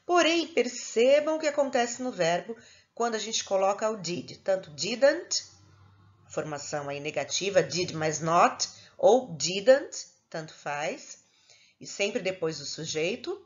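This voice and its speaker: A woman's voice: medium pitch, animated, measured pace, highs cut off. A woman teaching a recorded lesson, explaining patiently step by step and checking in with her students. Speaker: English teacher.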